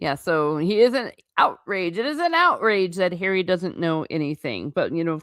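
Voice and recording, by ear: A passage read aloud in a natural voice.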